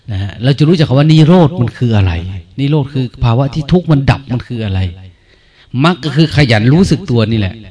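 A man's voice: mid-range voice, dark tone. An older man, a Buddhist monk, giving a colloquial dharma talk at a meditation retreat, full of rhetorical questions and tag particles.

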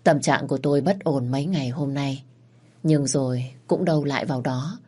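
A woman narrating a first-person story in a soft, sorrowful storytelling manner. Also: very deep voice, moderate pace, breathy edge.

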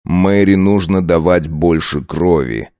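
A man playing a cold, domineering male vampire count who talks in a slow, clipped, hissing way. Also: deep voice, dark tone, no echo, clean studio sound.

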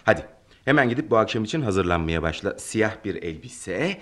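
A man's voice: fairly low pitch, very animated, a little fast. A man acting a controlling, ambitious lawyer fiancé, self-assured and emphatic, in old-style radio theatre. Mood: coaxing, commanding.

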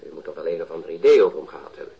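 Deep, very hoarse, terse police interviewer. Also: male voice, lively intonation, rapid-fire, heavily acted. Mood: terse, insistent. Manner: terse, insistent. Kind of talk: radio drama dialogue. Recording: dull taped playback.

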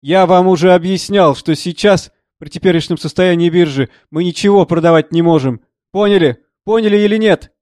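Male reader doing a scornful bully of a financier, slightly high voice, dry close read. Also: fairly quick, hardly any pauses, a little mellow, no echo, natural voice. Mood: contemptuous. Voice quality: sneering, scornful. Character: rude domineering middle-aged man, blustering financier.

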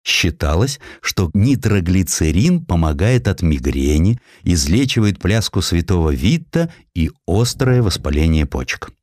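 A low-pitched male narrator reads a historical sketch. His delivery is theatrical and very animated, as if telling a tale straight to the listener. The recording is dry and close. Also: unhurried, few pauses, dry recording. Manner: theatrical storytelling, addresses the listener. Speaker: audiobook narrator.

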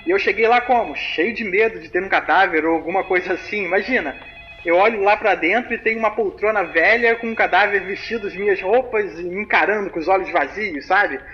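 A man's voice: high-pitched, fairly quick, close to an everyday voice. An actor playing a young man, casually telling a spooky story over a phone call in slangy talk. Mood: chatty. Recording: muffled phone-call recording, faint hiss.

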